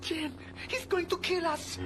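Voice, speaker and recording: An actress playing a scared, helpless tribal youth in an audio drama, crying out urgently. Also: female voice, extremely high pitch, steady tone, unhurried. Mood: panicked. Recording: loud noise, effects bed.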